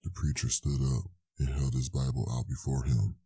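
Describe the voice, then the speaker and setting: A man narrating a scary story in a deliberate, suspenseful scripted style. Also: rumbling low, vocal fry, dark tone, husky, no echo.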